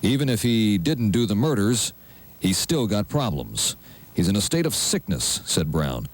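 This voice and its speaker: A man's voice: lowish voice, big pitch swings, measured pace. A man working as a morning radio co-host and newsreader. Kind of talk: news reading and banter.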